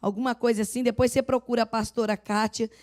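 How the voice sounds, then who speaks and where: Talking fast, this older pastor from Northeast Brazil delivers a sermon full of animated stories in her Northeastern Brazilian Portuguese accent. She performs the voices of the characters and lets out a loud, booming laugh.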